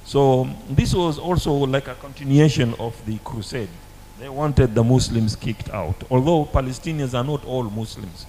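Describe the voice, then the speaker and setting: A man giving a halting, deliberate explanation as a guest in a history discussion. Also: medium pitch, warm tone, slight background noise, rough recording. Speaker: panel guest.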